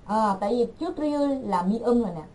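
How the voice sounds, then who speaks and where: A woman teaching an online language class, repeating words slowly and patiently for her learners. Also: a little high, animated, mellow, poor audio.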